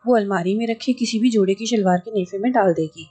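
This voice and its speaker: A woman's voice: mid-range voice, warm tone, breathy edge, faint music behind, lightly acted. A woman voicing a haughty, wealthy woman in her forties who is impatient and vengeful. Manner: imperious, demanding.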